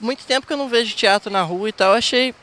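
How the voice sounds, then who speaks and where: A young man from Rio with a Carioca accent, his voice high and bright. He answers a reporter hesitantly, restarting words, with faint traffic behind. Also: fast talker. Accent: Carioca Portuguese. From Rio de Janeiro. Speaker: passerby interviewee.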